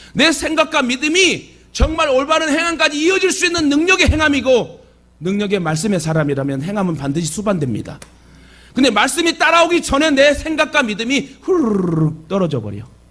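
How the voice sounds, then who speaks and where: With a strong Jeolla accent, the speaker uses very wide pitch swings and an animated tone at a moderate pace, with audible room echo. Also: man, extremely high pitch for a man. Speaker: pastor. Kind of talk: sermon.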